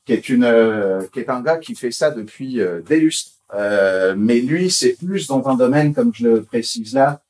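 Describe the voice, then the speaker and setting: A man's voice: mid-range voice, lively intonation, a little mellow. Rambling man giving a tech talk. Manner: rambling, halting delivery with many fillers and repeated words; informal, chatty tone. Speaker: conference speaker. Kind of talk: technical conference presentation.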